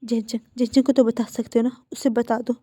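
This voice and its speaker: A woman voicing a caring, protective middle-aged aunt in a narrated fan-fiction story, speaking loudly and with worry. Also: fairly high pitch, flat delivery, a little fast, no room sound, studio quality, lightly acted. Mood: soothing.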